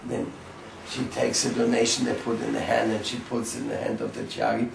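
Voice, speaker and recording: A spiritual teacher, a man, tells a devotional story in a lively, conversational way. His voice is gravelly. He is recorded from a distance in a roomy space with a faint ambience. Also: medium pitch, fairly quick, noisy background.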